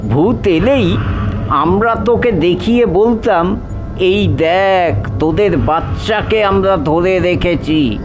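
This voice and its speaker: Brief: older man playing a taunting buddy, high and slow, music bed behind. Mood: teasing.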